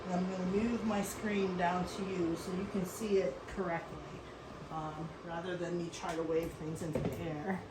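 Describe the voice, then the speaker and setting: Speaking at normal speed in a lowish, flat voice, this woman hosts a relaxed cooking show in her kitchen. Originally from South Korea and brought up in Western Pennsylvania, she rambles chattily and addresses viewers as folks, in an echoey room with faint noise.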